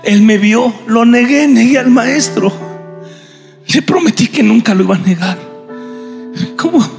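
A man's voice: very high-pitched, unhurried, gravelly, pitched above the performer's own voice, exaggerated voice. A man preaching, voicing the apostle Peter as a broken, ashamed grown man pleading over his failure. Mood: anguished. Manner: pleading, anguished self-reproach. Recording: long hall reverb, faint music.

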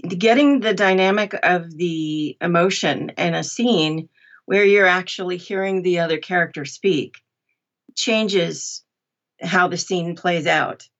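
A woman with a slightly low voice chats as a podcast guest, giving practical advice. The sound is a bit muffled and lo-fi. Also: takes it slowly, fairly bright tone. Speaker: podcast guest, audiobook narrator. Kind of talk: interview conversation, giving advice.

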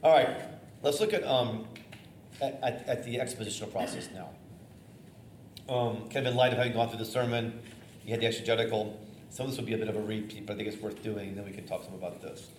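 A middle-aged man, a theater-trained bishop with a loud voice, teaching preachers in a conversational, energetic way with fillers and restarts. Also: on the low side, quick pace. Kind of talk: informal teaching talk on preaching. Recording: echoey room, faint noise.

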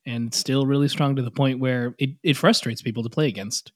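A man's voice: medium pitch, steady tone, fairly quick, no echo, studio quality. A man co-hosting a casual gaming podcast, mostly chiming in with short reactions. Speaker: podcast co-host.

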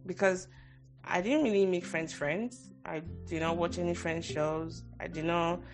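A woman's voice: lowish voice, steady tone, a little slow, soft background music. A woman with a Nigerian accent hosting a podcast interview, talking in long rambling thoughts that restart often. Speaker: podcast host. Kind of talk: casual interview chat.

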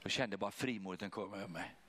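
A man preaching, telling a personal testimony in an animated way and acting out what others said. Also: low-pitched. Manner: animated, acts out voices of others. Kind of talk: testimony storytelling.

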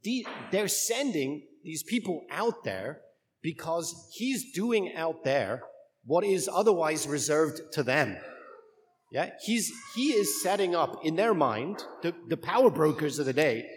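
A man's voice: fairly high pitch, very animated, measured pace. A man speaking as a Catholic priest, delivering scripture and preaching to a congregation in church. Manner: jokey, rambling, conversational asides to the congregation. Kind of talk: Gospel reading and informal homily.

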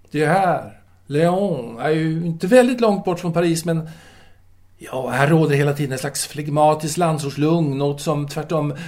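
An actor playing a courteous, restless philosophy teacher of the 1930s in an audio drama, speaking formally with hesitant pauses. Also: male voice, on the high side, a little mellow, close to an everyday voice. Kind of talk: audio drama dialogue, intimate phone conversation.

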